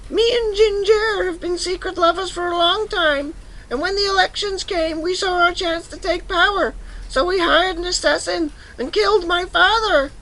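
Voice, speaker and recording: Wicked, vain young-royal villainess for fantasy audio play; extremely high, sharp voice, theatrical menace. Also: female voice, normal speed, poor audio. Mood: scornful, scheming. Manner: gloating, threatening, theatrical. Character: evil vain scheming princess wearing a wicked witch's head. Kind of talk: audio drama acting.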